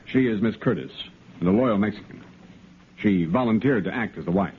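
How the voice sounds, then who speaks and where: An actor playing a crisp, explanatory army intelligence lieutenant in a 1950s radio drama. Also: male voice, on the low side, brisk, a little hiss or hum, close to an everyday voice. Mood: brisk. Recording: tinny 1950s radio broadcast.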